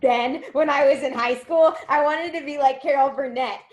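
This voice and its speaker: Woman playing a loud, gushing chatterbox. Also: sits high, steady tone, normal speed, muffled recording, natural voice. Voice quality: loud, oversharing, breaks into song. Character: overly chatty young woman at a bus stop, loud and gushing. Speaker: actor in a sketch. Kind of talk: virtual staged reading of a comedy sketch. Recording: roomy echo.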